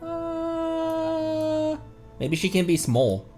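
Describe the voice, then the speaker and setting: A male game streamer with a very lively, swooping pitch and an unhurried pace. He rambles casually to his viewers and mutters to himself, with music playing behind him. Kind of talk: casual livestream gaming chat with viewers.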